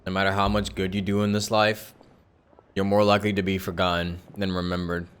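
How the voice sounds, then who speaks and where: A man's voice: sits low, flat delivery, fairly quick, a bit bright, smooth. A man giving casual, offhand commentary while livestreaming a video game.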